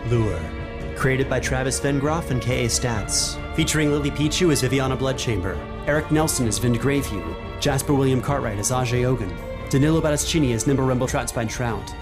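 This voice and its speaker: A man narrating a horror fiction podcast as game master, in a measured, formal storytelling manner. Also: mid-range voice. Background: music.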